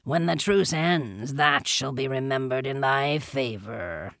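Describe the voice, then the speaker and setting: A man voicing a sly black panther in a storybook, quietly menacing and dryly amused, with a slow purr. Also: medium pitch, vocal fry, no echo, studio quality, voice pushed down.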